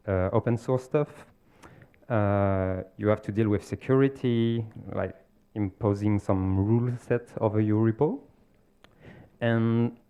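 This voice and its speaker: A low-voiced man with a French accent walks a conference audience through a technical topic, pausing and correcting himself as he explains. His voice is smooth and clear. The recording sounds dull and slightly muffled. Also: warm tone. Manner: explanatory, halting with pauses and self-corrections. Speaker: conference speaker. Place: conference stage.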